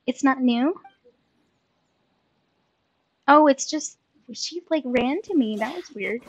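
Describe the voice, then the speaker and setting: A woman's voice: high voice, slow pace, husky, no room sound, highs cut off. A woman chatting casually as she plays a game, thinking aloud with playful exclamations and muttering to herself. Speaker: let's play host.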